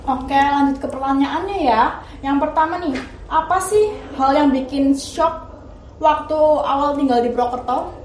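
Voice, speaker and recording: A woman's voice: sits high, unhurried, a little mellow, a little hiss or hum. A young woman hosting a podcast, easily leading the questions in a casual interview. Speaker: podcast host. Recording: echoey room.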